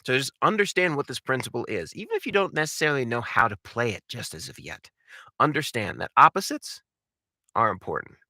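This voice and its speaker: A man's voice: mid-range voice, sing-song, a little fast, pushed and bright, no echo, clean studio sound. A man coaching voice acting in an instructional talk, speaking emphatically and often posing rhetorical questions. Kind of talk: instructional talk with acted examples.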